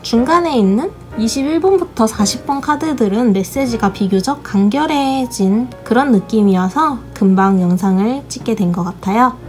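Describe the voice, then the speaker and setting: A woman with a voice gone hoarse from a sore throat, calmly explaining the meanings of tarot cards for a study video. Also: a little high, normal speed, few pauses, faint music behind.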